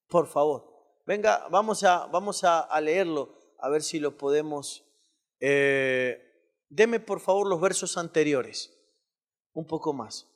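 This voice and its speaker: A man preaching a sermon, calling on the congregation to repeat his words and reading scripture quickly. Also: fairly high pitch. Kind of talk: call-and-response sermon.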